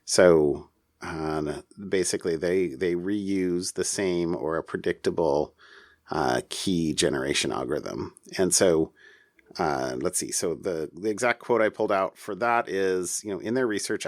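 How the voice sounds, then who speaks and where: A man co-hosting a casual tech news discussion, talking in a halting way as he thinks aloud. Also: deep voice, dry recording, studio quality. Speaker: podcast co-host.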